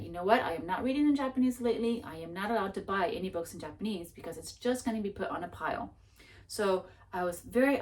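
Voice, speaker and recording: A woman's voice: medium pitch, recorded from a distance. Chatty self-mocking woman book vlogger. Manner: chatty and self-mocking, with many restarts and laughs. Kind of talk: casual chat.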